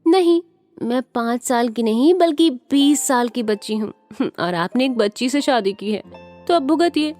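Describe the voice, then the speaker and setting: A woman's voice: sits high, normal speed, a little mellow, soft background music, voice pushed up, lightly acted. A woman voicing a playful, childish young bride of twenty who talks in a bratty, whiny way. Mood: teasing.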